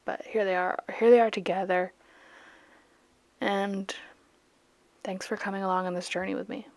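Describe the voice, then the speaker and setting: A woman's voice: medium pitch, steady tone, moderate pace, vocal fry, darkish tone, no room sound. A young woman, chatting casually and dramatically in a voice-over while she paints. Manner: chatty, dramatic, self-mocking, bursts of laughter. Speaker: art vlogger.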